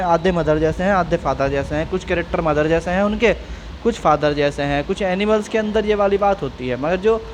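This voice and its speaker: High-voiced man teaching biology. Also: slight background noise. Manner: mixes Hindi and English, reads English lines slowly then explains; repeats points, often checks understanding. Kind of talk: classroom lecture.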